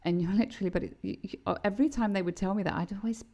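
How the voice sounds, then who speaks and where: A woman co-hosting a podcast, telling stories in an animated, casual way. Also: mid-range voice. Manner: animated storyteller, quick to laugh. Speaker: podcast co-host.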